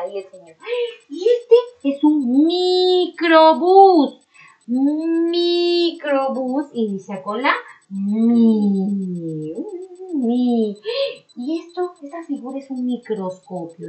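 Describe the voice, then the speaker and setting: A woman teaching a remote lesson to four-year-olds, speaking slowly in a sing-song way and chanting syllables for the children. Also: medium pitch, a bit bright. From Peru. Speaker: preschool teacher.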